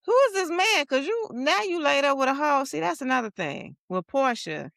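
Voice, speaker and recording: A woman's voice: high voice, expressive, normal speed, vocal fry, a bit bright, no room sound, clean studio sound. A woman in her late forties co-hosting a casual chat show, talking bluntly and animatedly, acting out the people she quotes. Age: 40s. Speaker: podcast co-host.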